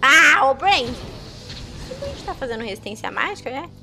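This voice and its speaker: A young Brazilian woman chatting casually with viewers while streaming a game, with excitable outbursts. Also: sits high, normal speed, faint music behind. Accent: Brazilian Portuguese. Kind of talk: casual gameplay commentary.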